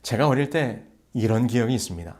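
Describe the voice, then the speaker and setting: A man preaching a sermon as pastor, telling a story in a slow, measured way and rising into emphatic calls. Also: medium pitch, animated, darkish tone.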